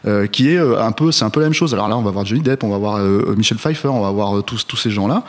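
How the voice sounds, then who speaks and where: A man's voice: on the low side, fast. A man reviewing a film in casual panel talk, hesitant, with many fillers and restarts as he builds his points.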